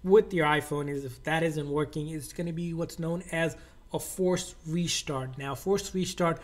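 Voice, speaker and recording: A man with a slightly higher-than-average voice hosts a how-to tutorial. He explains things step by step in an informal, instructional manner. He tends to circle back and repeat his phrasing as he goes. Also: fairly even intonation, moderate pace. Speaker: tech tutorial host.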